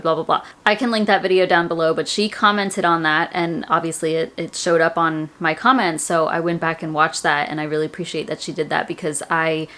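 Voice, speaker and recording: A woman's voice: lowish voice, fairly bright tone. A woman, chatting casually to her viewers about her personal finance goals, rambling with lots of "like"s. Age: 30s. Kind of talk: casual chat to camera.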